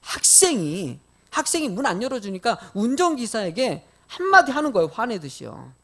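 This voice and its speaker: A man's voice: very high-pitched, very animated, a little fast, fairly bright tone. A middle-aged male pastor preaching a sermon, questioning the congregation directly and telling folksy, lightly humorous stories.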